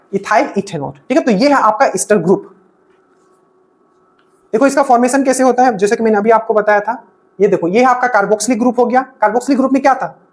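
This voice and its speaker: A woman teaching an exam-prep lesson, explaining step by step, repeating key points and often checking in with her students. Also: on the high side. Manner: explains step by step, often checking in with "okay" and asking rhetorical questions. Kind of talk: exam-prep classroom lecture.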